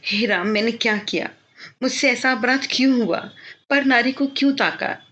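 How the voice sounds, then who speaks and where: A woman's voice: a little high, normal speed, a bit bright, lightly acted. A woman reading the lines of a remorseful, lovesick young male student, pleading with himself in anguish. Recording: slightly dull lo-fi recording.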